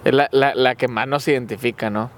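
A man's voice: mid-range voice, fairly even intonation, brisk. A man with a northern Mexican accent, thinking aloud with hesitation in a casual chat.

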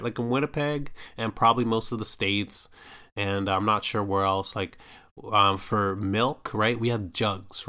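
A young Canadian man hosts a podcast, telling a rambling personal story in a casual monologue packed with filler tags and swearing. He animatedly acts out what people said, in a fairly low, slightly bright voice.

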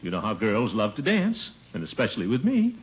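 An actor playing a vain, blustery middle-aged bachelor uncle in a 1950 radio comedy, full of self-satisfied chuckles. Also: male voice, fairly low pitch, wildly swooping pitch, fairly quick. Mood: pompous. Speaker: lead character of a radio sitcom. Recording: scratchy dull old radio broadcast recording.

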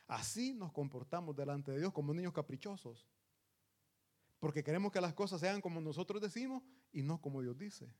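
A man's voice: a little high, darkish tone. A man preaching a sermon in an earnest, emphatic manner, speaking to the congregation as his brothers.

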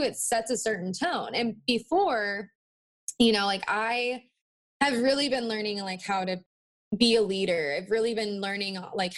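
A woman in her twenties chatting as a podcast interview guest in a valley-girl manner, peppering her talk with "like" and "you know". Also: mid-range voice. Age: 20s. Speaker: interview guest, marketing agency owner. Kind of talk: casual podcast interview chat.

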